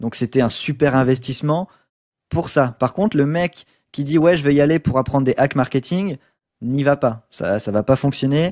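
The background is quiet as a man speaks. His pace is moderate and his pitch varies in an ordinary way. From rural France. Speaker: online course entrepreneur; podcast guest. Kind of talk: casual interview. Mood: relaxed, reflective. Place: home room. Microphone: earbuds.

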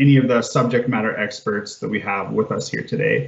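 A man speaks with ordinary pitch variation, and audible room echo is present. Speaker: public engagement moderator. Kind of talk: moderator welcome address. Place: home room. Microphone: webcam.

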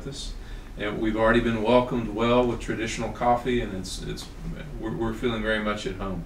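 Audible room echo and light background noise surround a man talking at a fairly quick pace with monotone, flat intonation. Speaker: oral historian interviewer. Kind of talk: interview question. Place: home room.

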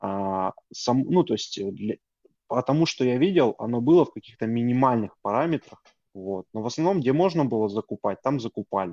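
In a dark, mellow tone with lively intonation, the speaker goes at a moderate pace with long, frequent pauses, the sound dry with no echo over a quiet background. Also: man. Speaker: guest with manufacturing background; guest. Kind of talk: casual interview chat. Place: home room. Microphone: video call.

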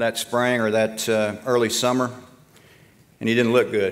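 A man with a Texan accent and monotone, flat intonation. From Texas. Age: 50s. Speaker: nonprofit executive director and former football player. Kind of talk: convention speech. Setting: stage with audience. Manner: folksy, conversational. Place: hall. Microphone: podium.

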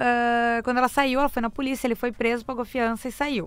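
Over a silent background in a very clean recording, the voice runs at a fairly quick pace with monotone, flat intonation. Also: woman. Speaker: radio podcast host. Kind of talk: casual banter with co-hosts, podcast.

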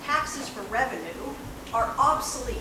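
A woman speaks at a fairly slow pace in a room with audible echo and noticeable background noise. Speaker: economist. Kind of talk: conference talk. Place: classroom. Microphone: podium.

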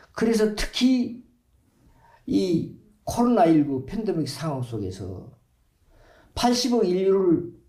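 Very slowly, a man speaks at a high pitch with very wide pitch swings and a dark, mellow tone, with audible room echo against a quiet background. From South Korea. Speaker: Buddhist monk. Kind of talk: interfaith dialogue. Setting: studio. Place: studio. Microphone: lapel.

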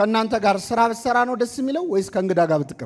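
A man with an animated tone and lively intonation, against a quiet background. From Ethiopia. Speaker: deacon preacher. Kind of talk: sermon. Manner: animated, questioning the audience. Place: hall.

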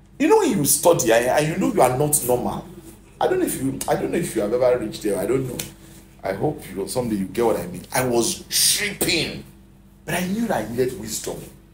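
With audible room echo and light background noise, a man speaks at a fairly quick pace with very wide pitch swings. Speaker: preacher. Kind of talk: sermon. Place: church.

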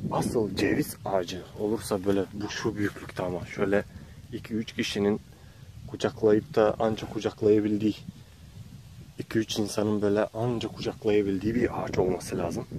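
At a moderate pace, a man speaks over noticeable background noise. The sound is dry, with no echo. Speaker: treasure hunter vlogger. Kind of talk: casual vlog chat. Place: forest. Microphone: phone near.

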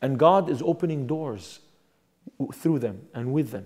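With an Arabic accent, a man speaks in a fairly high pitch with a dark, mellow tone and lively intonation. His pace is fairly slow against a quiet background. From Lebanon, Beirut; Lebanon. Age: 40s. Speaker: missionary; interviewee. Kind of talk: testimony. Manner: halting. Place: home room. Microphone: lapel.

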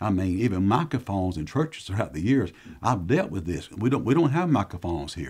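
Against a quiet background, a man talks at a fairly quick pace with a somewhat breathy voice. His pitch swings very widely. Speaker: pastor. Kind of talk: sermon. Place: studio.

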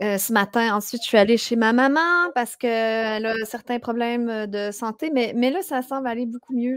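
A woman talks with ordinary pitch variation in a dry sound with no echo and a quiet background. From Quebec. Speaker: singer and influencer; influencer. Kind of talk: casual chat. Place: home room.

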